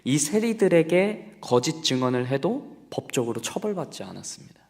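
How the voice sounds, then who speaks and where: A man's voice: fairly high pitch, very animated, moderate pace, creaky, darkish tone. A young adult man preaching to a congregation in a conversational, storytelling way and asking them questions. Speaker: pastor. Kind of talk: sermon. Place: church sanctuary. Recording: long reverb of a church hall.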